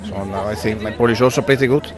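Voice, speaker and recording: A man with an Italian accent, an interview guest speaking outdoors in fast bursts with restarts. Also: on the low side, crowd noise. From Italy.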